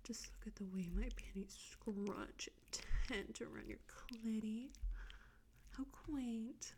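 A woman whispering close to the mic in a soft, coaxing, teasing audio roleplay. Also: fairly high pitch, slow pace, gravelly, noisy background.

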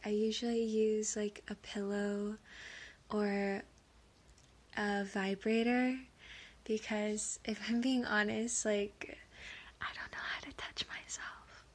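Woman, high-ish, slow, sniffly; nervous halting ramble with stammers, giggles and whispered asides. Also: flat delivery. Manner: drops into soft whispers at times; giggles often. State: sniffly from allergies. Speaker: audio creator. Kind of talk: rambling casual monologue.

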